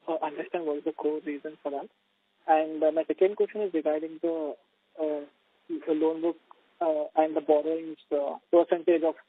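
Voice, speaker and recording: A man's voice: a little high, dry recording. A man asking questions as an analyst on a conference call. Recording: dry, narrow phone line.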